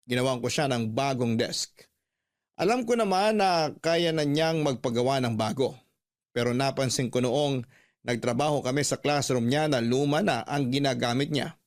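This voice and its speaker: A man narrating in the first person as a father newly out of prison, in steady, reflective scripted radio drama storytelling. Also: medium pitch, close to an everyday voice. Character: ex-prisoner father narrating his own letter. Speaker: narrator of a letter.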